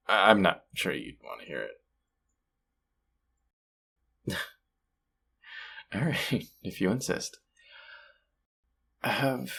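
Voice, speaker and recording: A man playing a sweet, smitten stranger in an intimate romantic audio roleplay, speaking softly and hesitantly in a husky, gravelly voice. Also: low voice, full character voice. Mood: amused, shy. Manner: soft, hesitant, tender, with pauses.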